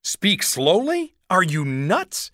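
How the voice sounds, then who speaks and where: A man voicing a frantic, talkative fifth-grade girl who rushes her words breathlessly. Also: on the low side, wildly swooping pitch, fairly bright tone, no room sound, studio quality, pitched above the performer's own voice, exaggerated voice.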